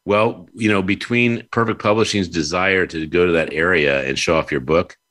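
Man, very low voice, upbeat, rambling, playful, host chat. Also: normal speed, fairly bright tone. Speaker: podcast host. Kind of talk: casual interview chat.

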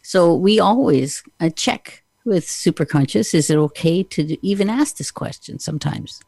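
A middle-aged Canadian woman hosts a relaxed interview. Her voice sits low and is recorded close and dry. She talks in a chatty, teasing way and laughs easily. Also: normal speed, vocal fry, no echo. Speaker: podcast host. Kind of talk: casual interview chat.

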